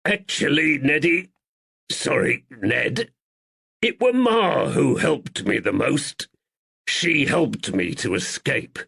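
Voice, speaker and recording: A man doing a sheepish, squeaky white-haired landlord. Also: very animated, slow, creaky, fairly bright tone, slightly rough, exaggerated voice. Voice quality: slight squeak.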